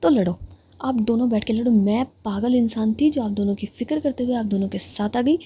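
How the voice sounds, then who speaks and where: A woman's voice: fairly high pitch, fairly quick, dark tone, a little hiss or hum, close to an everyday voice. A woman voicing a caring older sister who soothes and scolds two quarrelling young women. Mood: reproachful.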